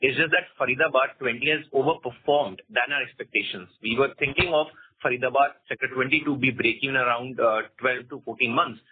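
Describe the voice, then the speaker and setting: Husky Indian executive on phone line. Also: male voice, mid-range voice, brisk, hardly any pauses. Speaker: company executive answering investors. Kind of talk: earnings call answers. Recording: muffled narrow phone conference line.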